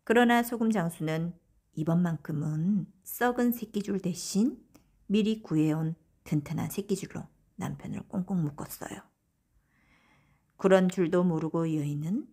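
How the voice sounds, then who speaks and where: A woman narrating a bedtime folktale as an audiobook storyteller, gently, often letting phrase ends fade toward a whisper. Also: lowish voice, moderate pace, slightly rough.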